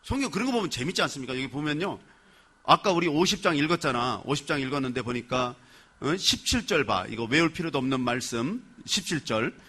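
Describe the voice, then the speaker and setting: A male pastor from Chungcheong preaching in a lively, conversational way, acting out people's words and putting questions to the congregation. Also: medium pitch, a little fast, breathy edge. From Chungcheong, Korea. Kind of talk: sermon.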